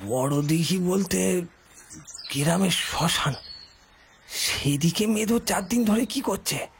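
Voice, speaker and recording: A man's voice: sits high, vocal fry, slight background noise, exaggerated voice. A man playing an anxious, deferential village man in an audio horror story, hesitant and strained as he speaks. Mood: fearful, puzzled. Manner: hesitant, drawn-out, stammering.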